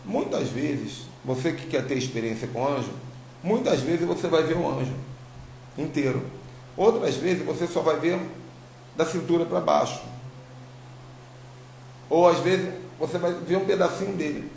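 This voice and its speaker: A man's voice: fairly high pitch, a little slow, gravelly, long pauses, a little mellow. A Brazilian man with a slight tongue-tie giving an informal spiritual testimony to online followers as a preacher, telling it emphatically and repeating phrases. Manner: informal, emphatic storytelling with repetition. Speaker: apostle, religious teacher. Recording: roomy echo, faint background noise.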